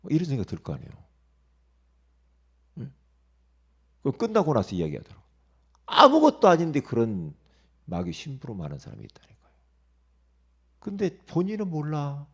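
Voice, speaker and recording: Man, pastor, sermon, gravelly, husky, animated pitch, rhetorical questions, hushed asides. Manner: emphatic, lively preaching with rhetorical questions and sudden quiet asides. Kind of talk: early-morning sermon.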